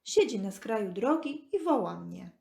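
A woman voicing a gentle, calm man with measured speech in a children's Bible story. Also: mid-range voice, vocal fry. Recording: echoey room.

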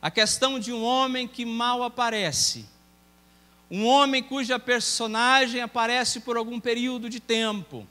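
A man's voice: very high-pitched, a little slow, bright, forceful tone, clear, resonant tone, big-room sound. A male evangelist with a Brazilian Portuguese accent, preaching a sermon in a church and telling a story with acted dialogue. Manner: storytelling, voicing dialogue within the tale. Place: church sanctuary.

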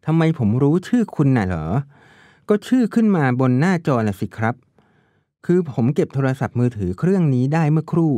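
A smooth-talking young man, as a narrator plays him, calm and offhand, lies sliding out with ease. The voice is dark and mellow, recorded close and dry. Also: a little high, brisk, no echo.

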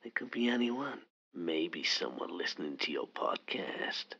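A man's voice: very animated, a little slow, sharp tone, exaggerated voice. A man voicing a menacing, teasing masked killer who calls in to a podcast, in an audio play over a muffled line. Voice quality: gravelly, low and menacing.

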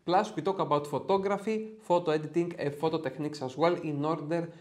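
Speaking a little fast in a steady, darkish, fairly high-pitched voice, a Greek-accented man in his thirties runs a software tutorial on photo editing. The setting is a small home studio with red lighting, and his manner is upbeat and chatty, with casual asides and jokes about himself.

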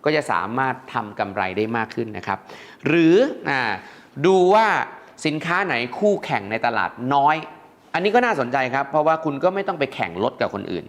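A man's voice: medium pitch, sing-song, fast, a bit bright. Male host, middle-aged, conversational instructor explaining to viewers step by step. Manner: chatty, explaining point by point with polite particles. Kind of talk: educational talk to viewers.

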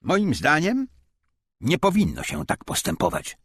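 Male narrator as stern wartime German officer, raised pitch, very husky, emphatic, officious, dry audiobook recording. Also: wildly swooping pitch, measured pace, a bit bright, dry recording, exaggerated voice. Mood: officious, insistent.

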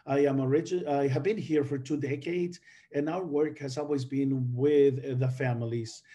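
Halting man speaking on a video call. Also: medium pitch, fairly even intonation, dark tone. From Dominican Republic. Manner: halting, many fillers and restarts. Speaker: conference panelist. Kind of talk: online conference presentation.

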